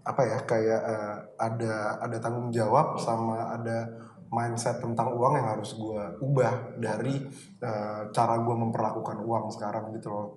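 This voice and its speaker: A man, chatting casually in a group and often pausing with fillers. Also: medium pitch. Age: 30s. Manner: relaxed, filler-heavy Jakarta slang. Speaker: director and videographer. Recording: echoey room with long reverb, faint noise.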